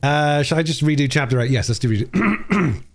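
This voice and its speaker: A man's voice: fairly high pitch, lively intonation, normal speed. A man reading a classic novel aloud expressively, as an audiobook narrator. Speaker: audiobook reader and livestreamer.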